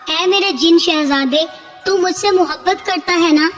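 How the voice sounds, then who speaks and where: A woman's voice: very high-pitched, faint music behind. A woman reading a trembling young village girl. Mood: anxious. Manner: trembling, pleading.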